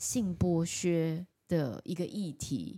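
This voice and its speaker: This recording is very clean, with no sound behind it at all. Its tone comes across dark and mellow. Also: woman. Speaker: podcast host. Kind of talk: casual chat.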